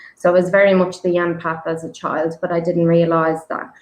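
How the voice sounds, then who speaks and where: A woman speaks with an Irish accent. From Ireland, Dublin. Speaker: psychic medium. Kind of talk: interview. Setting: livestream.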